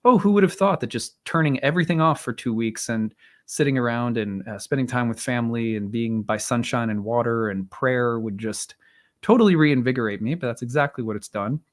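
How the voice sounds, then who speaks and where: A hoarse male astrologer rambling live. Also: mid-range voice, fairly quick. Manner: rambling, hesitant, frequent fillers and restarts, clears throat. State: voice strained and tiring. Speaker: astrologer, live stream host. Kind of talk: casual livestream talk and chart reading.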